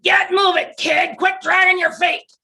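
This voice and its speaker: A man's voice: very high voice, little pitch movement, measured pace, gravelly, sharp tone, voice pushed up, heavily acted. A man voicing a brusque department-store Snow White, barking commands at children in a readers theatre play. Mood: impatient shouting. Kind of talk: amateur readers theatre acting.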